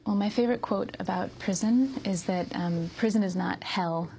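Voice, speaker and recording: Soft-spoken gravelly woman. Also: medium pitch, moderate pace, slight background noise. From United States. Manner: hesitant, with many ums and soft laughs. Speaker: interview guest. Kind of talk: soft-spoken interview answers.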